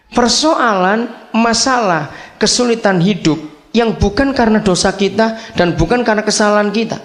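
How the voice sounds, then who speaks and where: An older man preaching with a high, lively voice that swoops up and down. He is emphatic and repeats himself, calls for amens and acts out conversations. The sound rings with the echo of a church hall. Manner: animated storyteller acting out dialogue. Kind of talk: sermon. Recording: echoey hall.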